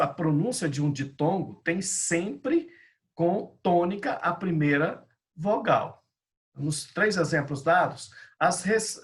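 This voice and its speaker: Gravelly-voiced man teaching a Greek lesson. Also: on the high side, a bit bright. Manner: patient, repeats and restates points. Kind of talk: explanatory lesson.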